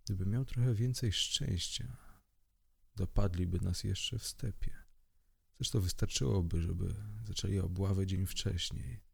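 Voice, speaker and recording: A man voicing a stern old male werewolf pack leader, calm and commanding in an audiobook. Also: sits low, measured pace, vocal fry, breathy edge, heavily acted.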